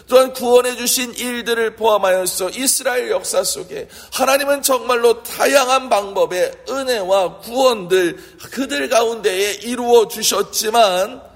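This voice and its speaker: Man, pastor, sermon, high voice, husky, earnest and fervent, long hall echo. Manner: earnest, rising in fervor, rhetorical questions.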